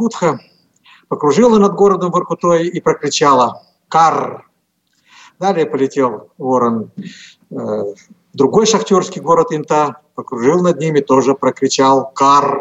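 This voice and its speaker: A man's fairly high voice at a fairly slow pace, with lively intonation and long, frequent pauses. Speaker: regional organization chairman. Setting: phone call with poor line.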